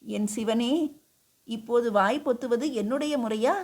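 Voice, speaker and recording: In an audiobook reading, a woman with a fairly high voice and measured pace performs a stern, exasperated male emperor who scolds his wife with incredulous questions.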